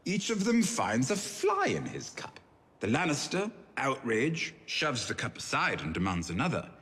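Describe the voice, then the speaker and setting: An actor playing a witty, wine-loving lord advisor who tells jokes with a wry, theatrical manner. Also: male voice, medium pitch, wildly swooping pitch, moderate pace, a bit bright, breathy edge, in a large hall, heavily acted.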